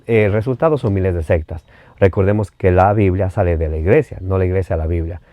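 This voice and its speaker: A man from Ecuador with an Ecuadorian Spanish accent, teaching a Catholic sermon. He reads citations deliberately and pauses with fillers as he explains. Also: low voice, no room sound, narrow, tinny audio. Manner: reads scripture references slowly, often hesitates with fillers. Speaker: preacher.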